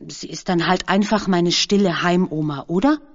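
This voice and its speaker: A woman's voice: fairly low pitch, moderate pace, dull audio. A woman voicing a cheerful young boy skateboarder who talks eagerly and uses youth slang, in a storybook reading.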